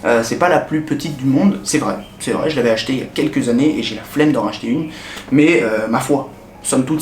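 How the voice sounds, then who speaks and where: A young French man in a casual vlog, chatting directly to the viewer in a relaxed way with many hesitations. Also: medium pitch. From France. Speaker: vlogger. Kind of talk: casual talk to camera. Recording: echoey room with faint ambient noise.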